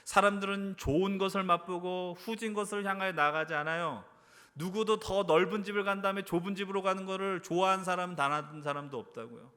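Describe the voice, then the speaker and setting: A male preacher giving an earnest sermon to a church youth service. He asks the congregation question after question and moves between hushed low phrases and raised emphatic ones. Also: a little fast. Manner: earnest, addresses the congregation with frequent rhetorical questions. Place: church sanctuary. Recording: reverberant hall.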